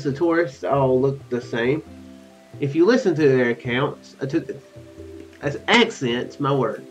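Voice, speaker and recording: A man in his thirties reading game text aloud and adding rambling, casual commentary as a let's play host. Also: a little high. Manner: rambling, musing asides. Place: small room at home. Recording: dull lo-fi audio with music behind. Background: game music.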